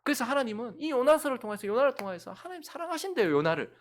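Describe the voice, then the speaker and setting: Animated male pastor preaching. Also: very high voice, racing. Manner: animated, swinging between loud outbursts and hushed whispers. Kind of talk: sermon.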